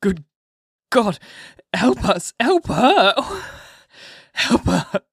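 A man's voice: high-pitched, sing-song, extremely slow, creaky, breathy edge, dry recording, studio quality, voice pushed up, full character voice. A man voicing a desperate young husband who cries out in alarm, in a storybook reading. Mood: frantic alarm. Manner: loud, desperate, crying out. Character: young husband, dazed then frantic.

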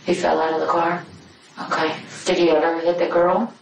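Calm female detective asking questions. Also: lowish voice, normal speed, creaky, background noise. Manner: calm, probing, repeats answers back. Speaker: police detective. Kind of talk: interrogation questioning. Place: interrogation room. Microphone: far room camera. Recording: echoey room from a distant camera.

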